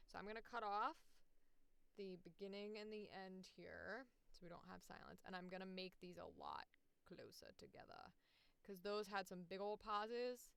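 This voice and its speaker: Clear-voiced woman chatting casually on a livestream. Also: mid-range voice, expressive, moderate pace, fairly bright tone, no room sound. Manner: informal, sweary, thinking aloud. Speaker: voice actor livestreaming. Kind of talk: casual livestream chat while editing audio.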